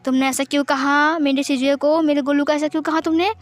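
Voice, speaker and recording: Woman doing a gentle, pleading young man, soothing tone, fairly high voice, storybook. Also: little pitch movement, fairly quick, soft background music, lightly acted. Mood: tender. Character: remorseful coaxing young man.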